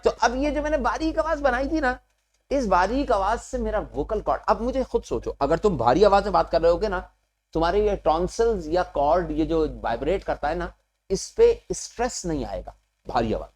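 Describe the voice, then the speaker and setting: A man's voice: high-pitched, expressive, brisk. A man teaching physics to a class, explaining step by step and often stopping to ask the students questions. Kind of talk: classroom lecture.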